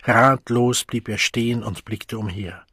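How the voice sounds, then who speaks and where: A man narrating an audiobook in a measured, dramatic way, recorded close on a studio mic. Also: mid-range voice, fairly even intonation, sharp tone, husky, no room sound.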